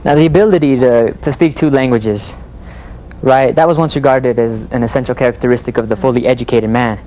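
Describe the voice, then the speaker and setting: A man from Chicago speaking in an unscripted group discussion, phrasing deliberately and with emphasis. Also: mid-range voice, mellow, poor audio. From Chicago, United States. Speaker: discussion participant. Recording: noticeable background room noise.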